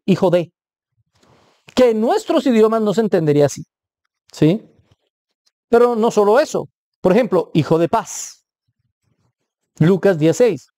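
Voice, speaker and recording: A man's voice: high voice, dark tone, no echo, studio quality. A man, a preacher, giving a Bible teaching talk, stressing his points by repeating words and checking in with a questioning aside.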